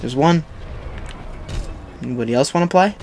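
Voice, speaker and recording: A young man hosting a gaming video with casual, excitable live commentary and chatty asides to viewers. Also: a little high, moderate pace, vocal fry, noisy background. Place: indoors, voice-over on game footage.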